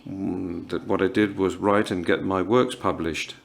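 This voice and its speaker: A man in his fifties from Morocco, speaking at a writers' panel in a halting, earnest way, with many pauses and fillers. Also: low-pitched, fairly even intonation, creaky. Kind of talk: reflective festival panel talk.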